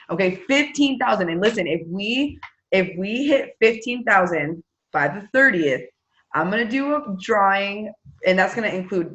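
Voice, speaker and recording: On a video call, a woman runs a team meeting with a casual, enthusiastic pep talk, chatting upbeat about sales goals and holding prize drawings. Her voice is mid-range and slightly bright, and the audio sounds dull.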